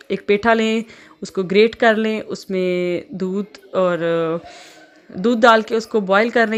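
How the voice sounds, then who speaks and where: A young woman from Pakistan with a Pakistani Urdu accent, chatting casually in a home vlog with many filler pauses. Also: mid-range voice. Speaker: vlogger.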